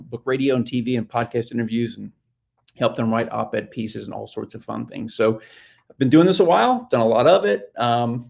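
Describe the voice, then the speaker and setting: A man's voice: mid-range voice, a little mellow. A man who works as a book publicist, presenting casually as a guest expert on a live stream, with frequent ums and restarts. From Nashville-based. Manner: casual, filler-heavy, restarts.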